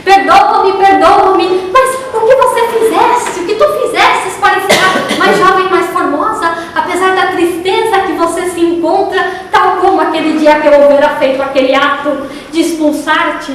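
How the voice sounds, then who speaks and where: A woman's voice: very high-pitched, normal speed, fairly bright tone, slight background noise. A woman voicing an anguished, remorseful man who cries out for his sister's forgiveness. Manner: anguished, crying out. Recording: echoey hall from far off.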